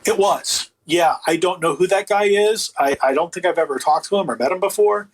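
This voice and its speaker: Guy guest on a show, raspy and a bit high, casual opinionated talk, emphatic. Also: a little fast. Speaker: interview guest, audio book producer.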